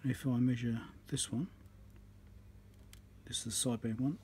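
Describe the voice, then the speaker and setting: A man's voice: medium pitch, fairly even intonation, moderate pace, darkish tone, a little hiss or hum. Man muttering over a repair bench. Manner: muttering, thinking aloud while working. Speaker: electronics repair presenter. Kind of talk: casual workbench commentary. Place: electronics workbench indoors.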